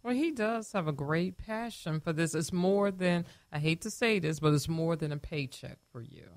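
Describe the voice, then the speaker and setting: A woman's voice: fairly low pitch, normal speed. Chatty female radio co-host. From Chicago. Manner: lively, chatty, colloquial. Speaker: co-host and author. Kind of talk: casual radio talk.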